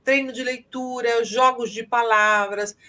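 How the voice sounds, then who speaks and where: A woman's voice: fairly high pitch, steady tone, unhurried, pushed and bright. A woman co-hosting a podcast in casual chat, explaining her points step by step in a thoughtful way.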